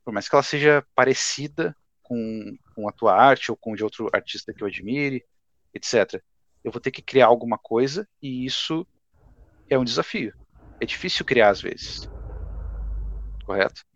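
A man's voice: medium pitch, normal speed, a bit bright, no echo, dull audio. A man in his twenties, a guest artist, chatting casually and laid-back on a podcast. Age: 20s. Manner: laid-back, says "cara" often.

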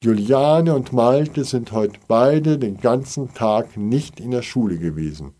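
A man's voice: mid-range voice, expressive, slow pace, dark tone. A man voicing a worried, desperate father in a storybook reading, talking anxiously and pleadingly. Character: despairing, worried father and neighbour.

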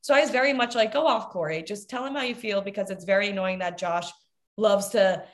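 A woman co-hosting a reality show aftershow, chatting casually and candidly, swearing freely and getting animated when heated. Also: medium pitch, a little fast. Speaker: podcast co-host.

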